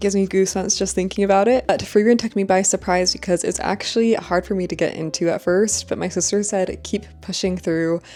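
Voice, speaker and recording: A woman speaks at a fairly quick pace, her pitch medium and her intonation fairly even. Music plays in the background. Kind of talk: casual talk to camera.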